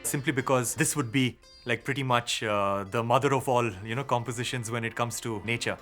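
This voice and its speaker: A man speaks at an ordinary pitch, pausing to think and leaning on fillers as he explains his work. A musician giving a documentary interview, with faint instrumental music underneath. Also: fairly even intonation, fairly bright tone. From India. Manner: reflective, with frequent fillers.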